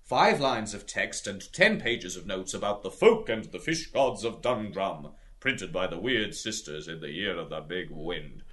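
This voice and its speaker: Loud-mouthed young joker, theatrical and pompous, voice all over the place. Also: male voice, medium pitch, sing-song, moderate pace. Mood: mock-solemn. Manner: pompous, mock-solemn. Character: boisterous mocking theatrical young Irish man. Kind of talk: literary audio drama.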